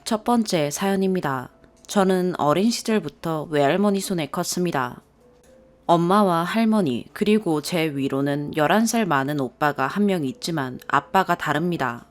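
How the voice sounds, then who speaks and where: A woman narrating a first-person story in a calm, even reading voice. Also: fairly low pitch, normal speed. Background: soft background music.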